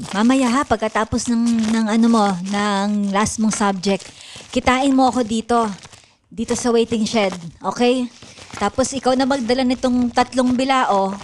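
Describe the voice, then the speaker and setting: A fairly high-voiced, hardworking mom played by a woman in an improvised radio play. She nags and coaxes her child with weary practicality. Faint noise sits behind the voice. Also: close to an everyday voice. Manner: nagging, sighing, coaxing. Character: nagging, hardworking middle-aged mother who supplies snacks. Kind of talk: improvised radio drama acting.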